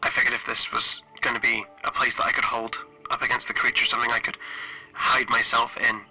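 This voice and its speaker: A stranded spaceship engineer acted by a man records a log in a very bright, tense voice with a radio-like edge. He is weary and guilt-ridden, speaking haltingly and doubting himself. Music plays behind this horror roleplay. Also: mid-range voice, level tone, rough recording. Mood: shaken, regretful. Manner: halting, hesitant, self-questioning. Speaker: solo tabletop RPG player.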